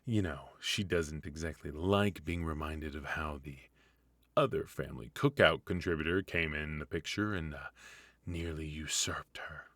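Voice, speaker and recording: A man's voice: a bass voice, moderate pace, a bit bright, dry recording, heavily acted. A man playing a retired supervillain husband in a comedic ASMR roleplay, teasing and doting with a theatrical, conversational delivery. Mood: wry, teasing.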